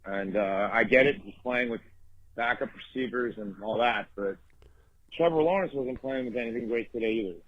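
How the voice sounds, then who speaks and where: Guy, voicemail caller, husky voice, halting and restarting, dull lo-fi phone sound. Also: medium pitch. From Long Island, New York. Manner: hesitant, halting with repeated restarts.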